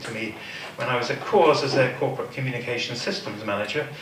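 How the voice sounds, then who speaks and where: There is audible room echo. Noticeable background noise is also present. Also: man. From England. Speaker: conference speaker, systems consultant. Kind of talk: conference talk. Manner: halting, many fillers.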